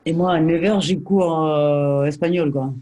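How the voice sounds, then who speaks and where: A man with an Argentine accent hosting a casual online group chat, talking in a relaxed, hesitant way with many fillers. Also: a little high, a little slow. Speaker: session host.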